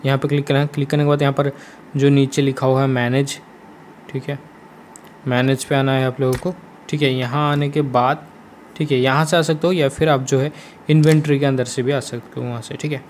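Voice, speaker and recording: Even-toned Indian man giving a tutorial. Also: medium pitch, fairly quick. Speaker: gaming tutorial YouTuber. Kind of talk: casual step-by-step screen tutorial. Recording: faint background noise.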